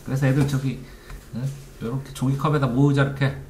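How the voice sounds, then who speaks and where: A man's voice: mid-range voice, little pitch movement, quick pace, darkish tone, slight background noise. A man giving an informal lecture on study methods as a coach, asking his listeners rhetorical questions. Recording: echoey room.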